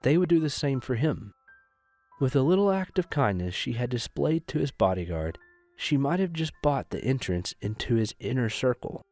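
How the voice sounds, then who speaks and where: A man's voice: mid-range voice, big pitch swings, moderate pace, a little mellow, no room sound. A man reading scripted narration for an audio drama. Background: music.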